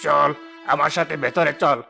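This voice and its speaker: Man doing a rich village elder, gravelly, bright edge, gruff, cartoon story, soft music behind. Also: a little high, steady tone, moderate pace, exaggerated voice. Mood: repentant. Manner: arrogant, scolding, then remorseful. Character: proud rich middle-aged village man Hashem. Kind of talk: cartoon voice acting. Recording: music underneath.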